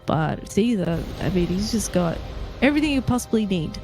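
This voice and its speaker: A female esports caster in a mid-range voice breaks down a live match with steady, analytical commentary. She talks through production and map control in an even, conversational way, with faint music in the background. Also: medium pitch, a little fast. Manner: steady, analytical, with light laughs.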